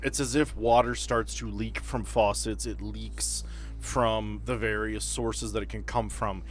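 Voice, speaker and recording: A man's voice: fairly low pitch, fairly even intonation, measured pace. A man narrating a tabletop game as game master, explaining things in a conversational, improvised way. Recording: music behind the voice.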